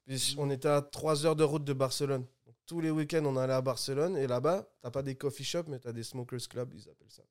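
A man's voice: medium pitch, brisk. Laid-back man from Guadeloupe. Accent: Guadeloupean French. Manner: relaxed, laid-back, mixes English slang. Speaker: guest music producer. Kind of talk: casual podcast chat.

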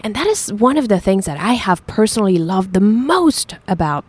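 A woman's voice: medium pitch, very animated, moderate pace, husky. A woman with a slight foreign accent, earnest and upbeat, answering as a guest in a casual interview. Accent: slight foreign accent from several languages. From Switzerland and Colombia. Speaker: guest, entrepreneur.

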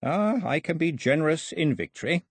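A man's voice: a little high, lively intonation, moderate pace, breathy edge, no room sound, clean studio sound, pitched above the performer's own voice. Man acting a fervent, wheezing old priest. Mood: triumphant awe. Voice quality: wheezy, breathless. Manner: declamatory, fervent. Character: zealous old male priest, triumphant, gasping.

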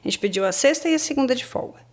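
A Brazilian woman in her thirties tells her story with lively, exclamatory energy. Her voice sits on the higher side and carries a Brazilian Portuguese accent. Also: very fast. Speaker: exchange agent, podcast guest. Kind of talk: casual podcast interview.

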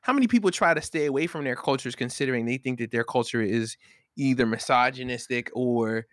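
A man's voice: mid-range voice, fairly quick, no room sound. Hesitant man in a dry podcast chat. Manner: restarts often, hesitant build-up before his point. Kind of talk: casual discussion.

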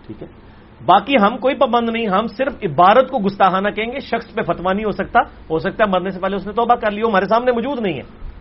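A high-voiced man answers questions in a religious lecture. He is forceful and animated, loud on the points he stresses and dropping low for asides. The recording is dull and lo-fi. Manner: forceful, animated, swings between loud emphasis and quiet asides.

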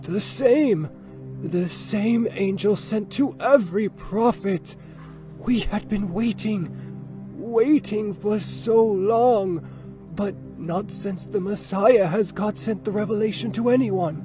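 A man's voice: medium pitch, extremely slow, pauses often, darkish tone, faint music behind. A man voicing a frail, blind, dying old man who wheezes and coughs as he talks. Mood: excited. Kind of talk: storybook narration.

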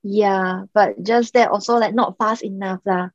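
A woman's voice: medium pitch, steady tone, a little slow, dry recording. Singaporean lady chatting away, lots of likes and ums, dull dry sound. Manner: chatty, many "like" and "um" fillers. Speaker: startup founder, guest. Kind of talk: casual podcast interview.

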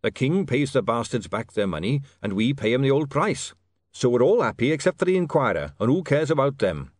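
Male narrator as storybook dwarf: short, brisk, no-nonsense male, wry emphasis, animated intonation, dry sound. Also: medium pitch, dry recording, pitched above the performer's own voice. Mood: wry, emphatic.

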